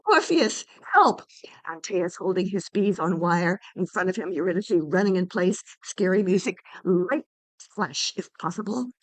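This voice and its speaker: A woman reading a play aloud as a deliberate, dramatic narrator, including stage directions. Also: lowish voice, darkish tone, poor audio. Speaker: playwright reading own play.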